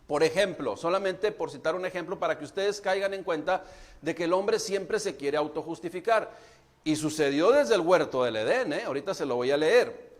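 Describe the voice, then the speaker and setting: A pastor with a Mexican Spanish accent delivers a sermon, talking right to his congregation. His voice sits high for a man. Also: expressive, moderate pace. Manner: preaching, addresses the congregation directly.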